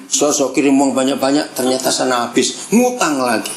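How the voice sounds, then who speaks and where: A woman with a very deep voice preaches animatedly at normal speed to a live congregation in an echoey church hall, where listeners answer back. She teases and acts out family quarrels with a laugh in her voice.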